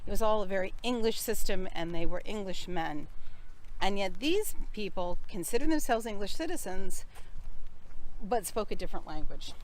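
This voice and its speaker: A woman's voice: mid-range voice, animated, moderate pace, slight background noise, low-quality recording. An American woman leading a walking tour outdoors on a village street, explaining as she goes with asides and self-corrections. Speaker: tour guide.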